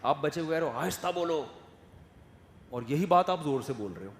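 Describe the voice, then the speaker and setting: A male Islamic scholar giving a religious lecture, moving between loud emphatic points and soft acted asides, often asking listeners if they follow. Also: on the high side, animated. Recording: echoey hall with long reverb and faint noise.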